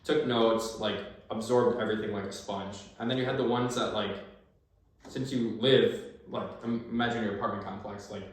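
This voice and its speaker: Low-voiced American man in an echoey room. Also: fairly even intonation, moderate pace. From United States. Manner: profane, storytelling, acts out quoted exchanges. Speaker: podcast guest, former army sniper. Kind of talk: casual chat. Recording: very echoey room, far from the mic.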